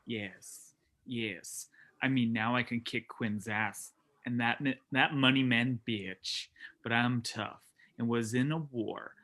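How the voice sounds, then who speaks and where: Brash, cocky male wrestler acted by a man, bright forceful voice, taunting promo delivery. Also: mid-range voice, takes it slowly. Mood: boastful, aggressive. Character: brash, boastful, trash-talking male pro wrestler. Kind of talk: staged reading of wrestling promos.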